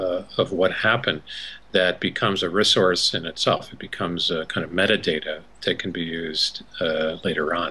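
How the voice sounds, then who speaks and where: With an American accent, a man speaks at a moderate pace. His tone is bright and sharp, and his pitch very deep and low. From New York. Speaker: magazine publisher; interviewee, news industry figure. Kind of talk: interview. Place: home room. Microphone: video call.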